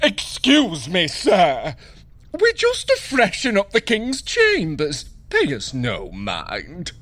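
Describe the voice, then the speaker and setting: A man's voice: high-pitched, huge pitch swings, slow pace, noisy background, voice pushed up, exaggerated voice. An actor playing a trickster god who puts on the voice of a breezy, chatty female servant in an audio drama. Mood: polite. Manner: breezy, chatty, falsely cheerful.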